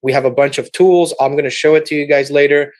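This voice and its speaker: Give me a man hosting an online trading webinar, promotional and brisk. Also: a little high, fairly even intonation, a little mellow, dry recording. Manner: promotional, answers viewer questions. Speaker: webinar host. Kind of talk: sales pitch to a webinar audience. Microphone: video call.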